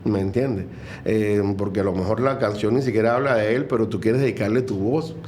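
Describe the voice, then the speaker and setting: A man's voice: fairly low pitch, brisk, a little mellow, a little hiss or hum. A middle-aged man with a Venezuelan accent, a guest speaking earnestly and reflectively in a conversational interview, with many fillers and restarts. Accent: Venezuelan Spanish. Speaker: guest, Catholic music minister.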